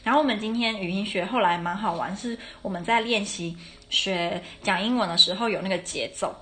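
A woman's voice: medium pitch, a little fast, bright, forceful tone. Chatty young woman podcasting. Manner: chatty, self-correcting, laughs now and then. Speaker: podcast host. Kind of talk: casual solo podcast chat about her classes.

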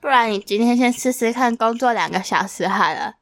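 A woman's voice: fairly high pitch, fairly quick, close to an everyday voice. A woman voicing a skeptical lamp genie who sets firm terms in a children's storybook. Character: lamp genie, skeptical, stern taskmaster to its master. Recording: music behind the voice.

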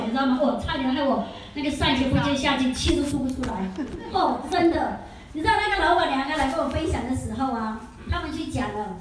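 High-voiced chatty woman lecturing. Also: a little hiss or hum. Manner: animated, chatty, laughs often, asks the audience questions. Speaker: skincare sales consultant giving a seminar. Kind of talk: lively storytelling lecture. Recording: very echoey room from far off.

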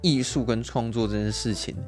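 A man's voice: mid-range voice, steady tone, moderate pace, darkish tone, faint music behind. A man, co-hosting a casual film chat, laughing often, swearing now and then and acting out quotes. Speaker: podcast co-host.

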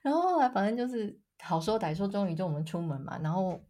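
A woman, co-hosting a casual chat podcast and telling stories in a lively way. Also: fast talker. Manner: animated storyteller, acts out quotes with big pitch jumps. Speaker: podcast co-host.

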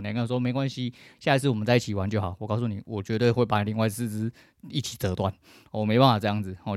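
A man's voice: mid-range voice, no echo, clean studio sound. A middle-aged man with a Taiwanese Mandarin accent, hosting a podcast in a blunt, profane, emphatic casual rant. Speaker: podcast host.

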